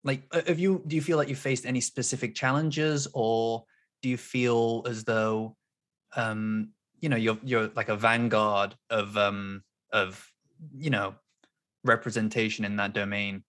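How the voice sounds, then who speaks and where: A man's voice: lowish voice, steady tone, unhurried, a bit bright. A man hosting an interview, asking questions in a friendly, loose way with plenty of fillers. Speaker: interview host. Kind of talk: casual interview chat.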